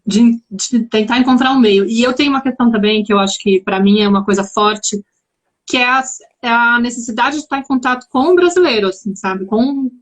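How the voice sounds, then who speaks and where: A woman from Brazil with a São Paulo accent, chatting reflectively in a casual live-stream conversation. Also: a little high. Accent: Brazilian Portuguese, São Paulo. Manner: reflective, chatty, many restarts. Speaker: guest.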